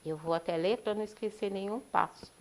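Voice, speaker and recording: A woman's voice: mid-range voice, a little fast, low-quality recording. A middle-aged woman giving a sermon, telling a little story and asking the listeners questions. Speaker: spiritist talk speaker.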